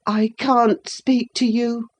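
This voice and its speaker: A woman's voice: on the high side, slow, a little mellow, voice pushed up. A woman voicing a sickly, peevish boy who whines and taunts. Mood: whining. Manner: petulant, whimpering.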